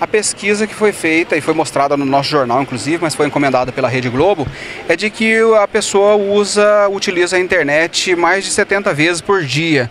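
Recorded dry with no echo over light background noise, a man speaks in a high pitch with very even loudness. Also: lively intonation, moderate pace. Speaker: street-interview TV host. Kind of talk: live street interview, casual. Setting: outdoors, pedestrian street. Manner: animated, chatty. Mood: friendly, upbeat. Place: street. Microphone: handheld.

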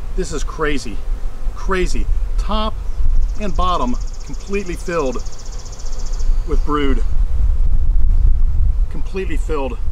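A man talks at a fairly slow pace, leaving long, frequent pauses. The sound is dry with no echo, over light background noise. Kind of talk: tutorial commentary. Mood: amazed, excited. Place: open country.

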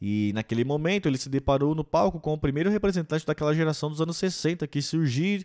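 Against a quiet background, a man with a fairly high pitch and ordinary pitch variation speaks at a very fast pace. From Brazil. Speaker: youtuber reading a book aloud. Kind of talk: reading aloud. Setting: live stream. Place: home room. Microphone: studio mic.

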